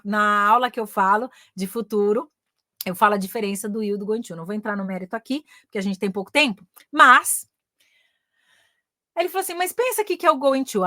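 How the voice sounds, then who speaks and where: A woman whose first language is Portuguese, teaching an English grammar lesson online in a lively, chatty way, often checking in with "ok?" and slowing down to spell out English example sentences. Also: a little high, dry recording, clean studio sound. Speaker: English teacher and career mentor.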